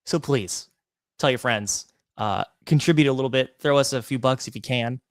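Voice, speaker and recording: A man co-hosting a livestream, eagerly pitching his podcast and pleading with viewers for support. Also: moderate pace, dry recording, studio quality. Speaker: podcast co-host.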